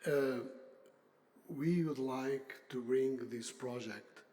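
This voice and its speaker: An older man, a chief executive, giving a semi-formal unscripted conference speech with halting, deliberate phrasing. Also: medium pitch, dark tone. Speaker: industry association CEO, panel speaker.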